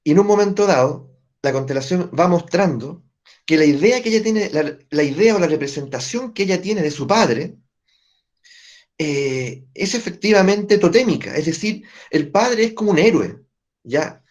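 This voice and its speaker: Higher-voiced man teaching a group. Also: lively intonation, moderate pace, a little mellow. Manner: checks in with listeners through frequent tag questions. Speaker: family constellations teacher. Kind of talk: explanatory talk to a group. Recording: dull lo-fi recording.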